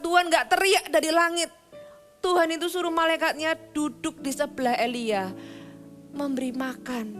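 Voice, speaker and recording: A woman's voice: high voice, fairly bright tone. A woman pastor preaching a sermon in an earnest, conversational way, speaking straight to her listeners.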